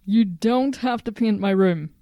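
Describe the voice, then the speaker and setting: A woman playing a self-conscious, grumbling female robot in an audio drama, deadpan and reluctant. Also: mid-range voice, measured pace, dry recording, highs cut off, close to an everyday voice.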